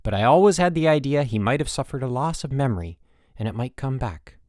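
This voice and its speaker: A man's voice: mid-range voice, lively intonation, brisk, a little mellow, no room sound, lightly acted. A proud old country woman in a storybook, acted out by a male narrator, chatty and stubborn. She rambles in folksy, emphatic sentences, in a very dry recording. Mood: resigned, stubborn. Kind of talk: audiobook character dialogue.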